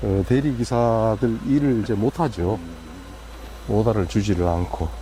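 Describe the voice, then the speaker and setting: With lively intonation and at a moderate pace, a man speaks over noticeable background noise. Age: 70s. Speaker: designated driver. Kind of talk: interview.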